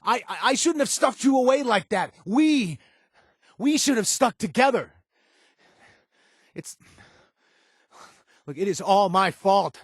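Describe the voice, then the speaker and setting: A man's voice: high-pitched, lively intonation, slow, long pauses, breathy edge, no room sound, clean studio sound, heavily acted. A man voicing a weary, streetwise game companion who pleads emotionally with his lost brother, his voice rising when desperate. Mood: desperate pleading. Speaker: companion character in a video game. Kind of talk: game voice acting.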